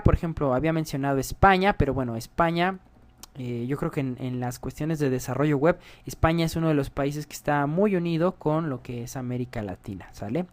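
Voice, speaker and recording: A man giving a coding tutorial, explaining step by step and often checking in with viewers. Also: a little high. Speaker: programming instructor.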